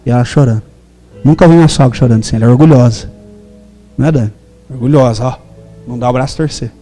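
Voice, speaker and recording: A man's voice: mid-range voice, fast, mellow, long reverb tail, soft background music. A man in his thirties with a Brazilian accent, a pastor preaching a sermon and telling a story with emphatic quoted dialogue. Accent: Brazilian Portuguese.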